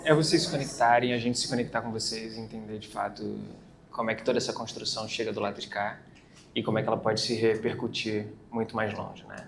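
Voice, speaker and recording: A man co-hosting a live event, speaking to the audience in a brisk, upbeat way. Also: lowish voice, fairly even intonation, vocal fry. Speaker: event co-host. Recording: echoey room, loud noise.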